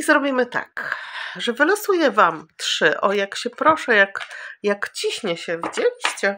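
A woman's high-pitched, raised and projected voice, bright and sharp in tone, at a very slow pace with very wide pitch swings over light background noise. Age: 50s. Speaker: tarot reader. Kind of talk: tarot reading. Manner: warm, affectionate. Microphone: phone near.

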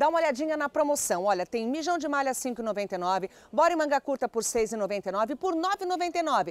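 High-pitched woman with very wide pitch swings and hardly any pauses, in a dry, close sound with no echo and noticeable background noise. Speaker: TV shopping presenter. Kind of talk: rapid-fire TV shopping pitch rattling off prices. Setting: walking through a store on camera. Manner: chummy, coaxing, calls viewer mamãe.

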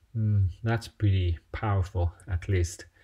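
Somewhat breathy and dark, mellow in tone, a man with a fairly low pitch speaks at a fairly slow pace in a flat monotone. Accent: Chinese. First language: Chinese. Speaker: software engineer vlogger. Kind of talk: tutorial. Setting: screen recording, solo. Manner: halting, with fillers.

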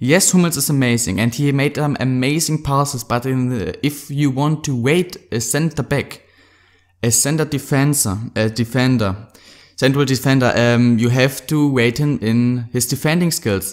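This man speaks with a German accent at a medium pitch. His pace is moderate and his pitch variation ordinary. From Germany (Leipzig). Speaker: gaming YouTuber. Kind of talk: casual video commentary. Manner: halting, many fillers.

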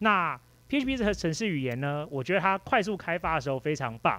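On a very clean recording with a silent background, a man with a fairly high pitch makes very wide pitch swings. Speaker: software developer, conference speaker. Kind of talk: technical talk. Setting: stage with audience. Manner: playful.

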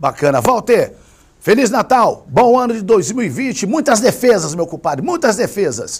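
Against a quiet background, a man with a high pitch sounds animated, his voice swinging very widely in pitch at a fairly slow pace. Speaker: sports TV show host. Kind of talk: studio sports interview. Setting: TV studio. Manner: animated, exclamatory. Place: studio. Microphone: lapel.

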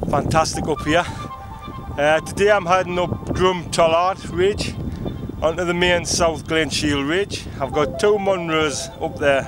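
Clear music plays in the background while a man speaks, and the sound is dry with no echo. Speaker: hiker vlogger. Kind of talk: casual vlog chat. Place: open country. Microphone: phone near.

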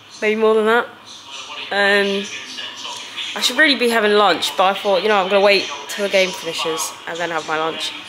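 A woman at a fairly quick pace, ordinary pitch variation, noticeable background noise. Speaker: student vlogger. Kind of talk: casual vlog chat. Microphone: phone near.

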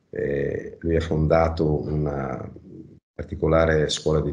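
A man's very deep, low, somewhat breathy voice against a quiet background. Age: 60s. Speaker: psychology practitioner; interviewee. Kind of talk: interview. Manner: halting, many fillers and repetitions. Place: home room. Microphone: video call.

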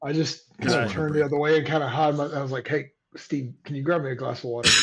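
In a raspy, put-on character voice, a man rattles along at a very fast pace with a fairly high pitch. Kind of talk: in-character role-play chat. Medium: actual play. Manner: brash, cocky. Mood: sheepish, evasive.

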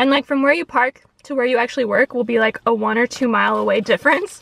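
A woman speaks at a high pitch and a very fast pace. The sound is dry with no echo. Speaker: vlogger. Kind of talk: casual vlog chat. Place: car. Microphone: phone near.

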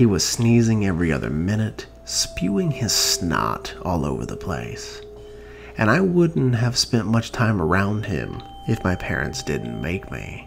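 Music plays behind a man whose voice is very deep and low. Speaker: horror story host. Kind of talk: scripted ghost story narration, first-person creepypasta read aloud in a spooky tone. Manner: formal, theatrical host persona in welcome and sign-off.

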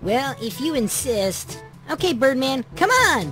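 In a cartoonish character voice with a fairly high pitch, the speaker goes at a fairly slow pace over clear music in the background.

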